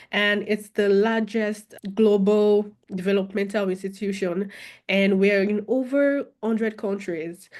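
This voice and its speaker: A young woman with a Nigerian accent tells her own story as an interview guest. She talks expressively and animatedly, circling back on her phrases as she goes. Her voice sits at an ordinary middle pitch. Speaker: guest, former international student.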